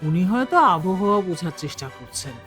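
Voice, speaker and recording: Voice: mid-range voice, animated, fast, natural voice. An actor voicing a brave, devout twelve-year-old schoolboy in a cartoon, confident and reassuring. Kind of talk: cartoon dubbing. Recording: music bed behind voice.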